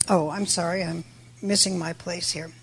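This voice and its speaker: A woman with a raspy voice, a little worn today, giving a reflective Buddhist dharma talk in measured, deliberate phrases. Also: fairly low pitch, steady tone. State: raspy voice today with throat clearing. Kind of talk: sermon, reflective religious talk.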